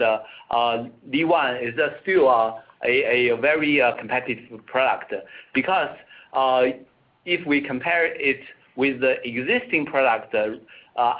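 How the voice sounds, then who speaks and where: A man, a native Chinese speaker, answering as a company executive on an earnings call, halting and repeating words. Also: mid-range voice. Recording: tinny narrowband phone line.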